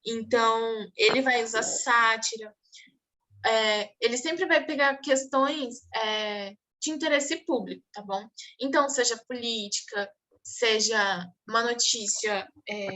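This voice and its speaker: A woman's voice: fairly high pitch, unhurried, fairly bright tone. A woman teaching a class, going over exam answers and checking in often with her students. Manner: explanatory, checks in with "tá bom?". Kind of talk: online exam review class.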